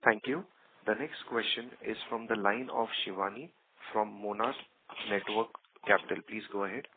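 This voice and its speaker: Low-voiced male operator on noisy phone. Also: moderate pace. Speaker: conference call operator. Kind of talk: scripted moderation. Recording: phone-like line, clearly noisy.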